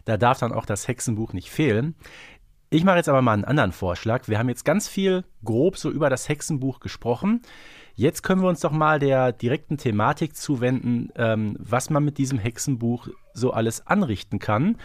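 A man's voice: mid-range voice, expressive, brisk, no room sound, clean studio sound. A man co-hosting a podcast, talking conversationally and a little wryly in a casual discussion. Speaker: podcast co-host.

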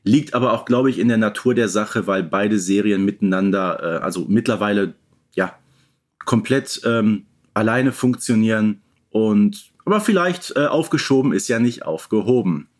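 A man's voice: lowish voice, animated, normal speed. A man in a casual, informed podcast discussion, explaining things with emphasis. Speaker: podcast co-host.

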